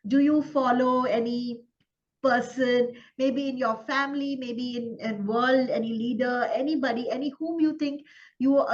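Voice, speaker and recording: A woman hosting an interview, asking curious questions in a casual way with halting restarts. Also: on the high side, lo-fi sound. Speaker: interview host.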